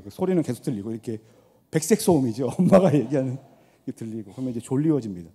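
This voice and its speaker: A middle-aged man preaching a sermon as pastor, swinging between loud appeals and hushed asides, with rhetorical questions and storytelling, in a church sanctuary. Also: fairly high pitch, slightly rough. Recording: long church hall reverb.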